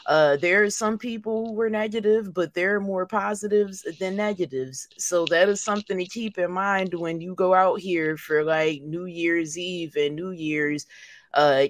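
Woman, slightly low voice, casual panel talk, dry recording. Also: no room sound. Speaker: panel co-host.

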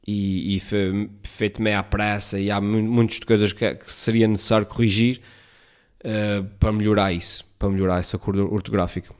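A man's voice: on the low side, level tone, moderate pace, clean tone. A man with a European Portuguese accent, ranting to his viewers in a casual, rambling and sarcastic way, often restarting his sentences. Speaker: vlogger. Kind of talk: casual talk to camera.

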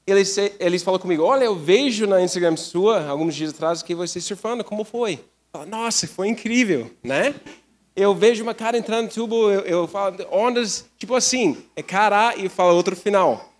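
An American pastor preaches in halting, learner's Portuguese and in English, with jokey asides. His voice sits a little high for a man. The sound carries the long reverb of a church hall. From United States. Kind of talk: sermon with live interpreter.

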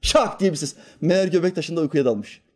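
A male preacher giving a sermon, telling stories in a calm, measured way and acting out characters' lines. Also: a little high. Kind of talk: sermon with storytelling.

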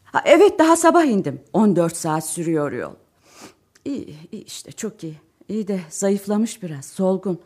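A woman's voice: mid-range voice, big pitch swings, moderate pace, darkish tone. An actress playing an emotional, chatty middle-aged mother in a radio drama who swings between sighs and outbursts. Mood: worried. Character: fretful, warm-hearted middle-aged mother.

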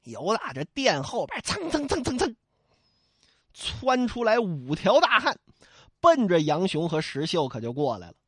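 A male storyteller telling a classic tale in a lively, colloquial way. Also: sits high, unhurried, husky, no echo, clean studio sound. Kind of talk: traditional oral storytelling.

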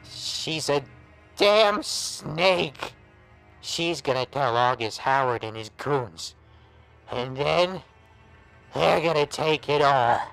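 A sly, taunting monster who was once somebody's pal, in a horror noir audio drama. He drags his gangster slang out extremely slowly and insinuatingly, over clear background music. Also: on the high side, expressive, fairly bright tone, full character voice, rough recording. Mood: sly, accusing. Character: monstrous transformed old pal, sly, taunting, warning creature.

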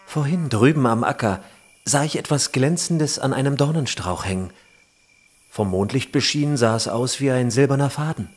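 An actor playing a young, devoted would-be warrior in an audio drama. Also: male voice, medium pitch, normal speed, lightly acted. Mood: tender, awed. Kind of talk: German audio drama acting.

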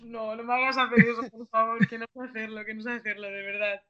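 Bright-voiced young Spanish actress. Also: female voice, on the high side, flat delivery, quick pace, highs cut off. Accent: Spanish from Spain. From Catalonia, Spain. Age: 20s. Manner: apologetic, self-deprecating, chatty. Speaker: actress guest. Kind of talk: casual interview.

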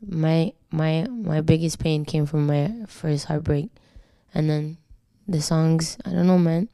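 Low creaky young woman, Spanish first language. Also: steady tone, slow pace, warm tone, dry recording, clean studio sound. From Canada. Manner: candid, slangy and swearing freely. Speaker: guest singer. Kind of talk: casual interview talk.

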